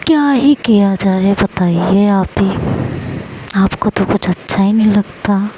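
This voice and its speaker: A woman's voice: mid-range voice, slow, background noise, lightly acted. A woman voicing a teasing, stubborn young wife in a spoken story, playful and bickering. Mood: chiding.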